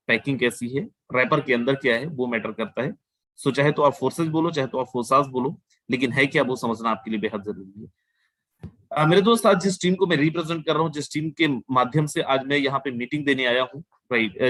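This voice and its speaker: Over a video call, a man presents a persuasive sales webinar, repeating his points and mixing Hindi with English phrases. His voice is medium-pitched and a bit bright, with no room sound and a rough recording quality.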